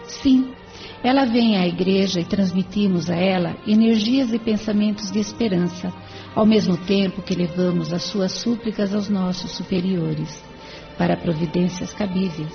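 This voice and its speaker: A woman's voice: mid-range voice, moderate pace, gravelly, close to an everyday voice. A woman playing a serene church spirit. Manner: explanatory, composed. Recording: dull lo-fi with faint music.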